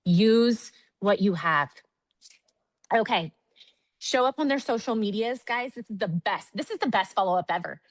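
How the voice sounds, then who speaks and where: A woman giving an energetic, chatty sales training talk, often calling her audience "guys". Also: mid-range voice, moderate pace, no echo, low-quality recording. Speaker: network marketing trainer.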